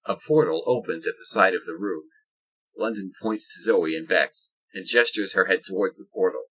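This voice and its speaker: A man's voice: low-pitched, moderate pace, a bit bright, husky, low-quality recording. A man reading scripted present-tense action narration for an audio drama.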